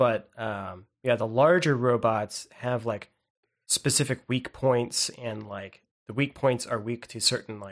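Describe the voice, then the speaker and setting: A man with an unremarkable speaking voice, medium in pitch, at a fairly slow pace, with ordinary pitch variation and big swings in loudness, on a very clean recording with a silent background. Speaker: audio department worker / podcast co-host. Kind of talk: casual chat.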